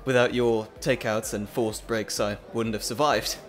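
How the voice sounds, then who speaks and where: A man's voice: on the low side, fairly even intonation, unhurried, soft background music, lightly acted. A man playing an earnest, nervous scientist and professor in an audio drama, with hesitant, stammering, wordy and formal speech. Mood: confiding, earnest. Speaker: voice actor. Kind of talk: dramatic roleplay audio acting.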